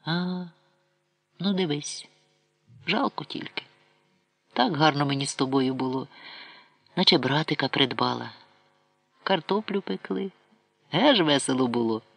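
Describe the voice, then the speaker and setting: A man's voice: on the high side, expressive, a little slow, gravelly, long pauses, a bit bright, dry recording, heavily acted. A man doing a tender fretting village girl. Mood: wistful.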